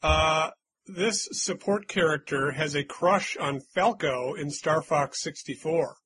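A slightly higher, husky male voice runs a trivia game for friends. He reads clues aloud and teases the contestants in a loose, chatty way. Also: takes it slowly, a bit bright. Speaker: quiz host. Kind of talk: casual game-show chat with friends.

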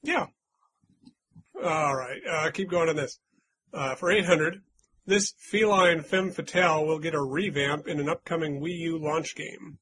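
A man's voice: on the high side, a little slow, pushed and bright, slightly rough. A man hosting a casual trivia quiz among friends, reading out clues and teasing the players in a chatty way. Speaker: quiz host. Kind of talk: casual game-show chat with friends.

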